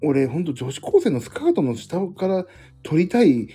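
A man's voice: a little high, wildly swooping pitch, moderate pace, mellow, soft background music. A middle-aged man hosting a casual solo livestream, rambling and self-deprecating as he jumps between topics. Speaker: livestream host.

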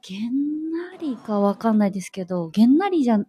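A woman with a Kansai accent talks on a live radio chat and keeps chiming in to agree. Her voice is a little high. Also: very animated, a little fast, dark tone, breathy edge, dry recording. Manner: frequent agreeing backchannel.

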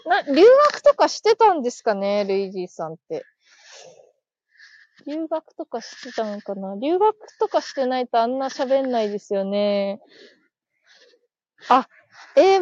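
A woman's voice: high-pitched, a little mellow, no echo, highs cut off. A woman hosting a casual live stream, chatting, laughing and reading listener comments aloud as she thanks each viewer. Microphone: phone.

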